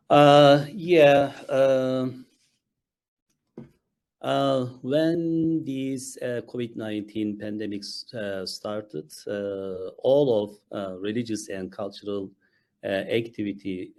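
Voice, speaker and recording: A man from Turkey, a Muslim chaplain, speaking haltingly on a panel over a video call, with many fillers and restarts. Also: on the low side, darkish tone.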